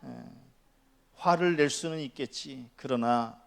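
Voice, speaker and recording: A man's voice: mid-range voice, unhurried, creaky, clean tone. A man preaching a sermon to his congregation, scolding and joking by turns and sometimes dropping to a near whisper. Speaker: pastor. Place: church sanctuary.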